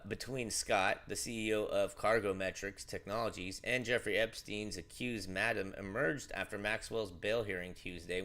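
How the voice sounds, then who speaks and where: A man's voice: on the low side, fairly bright tone. A man hosting a livestream, reading news and commenting in a rambling, offhand way with many fillers.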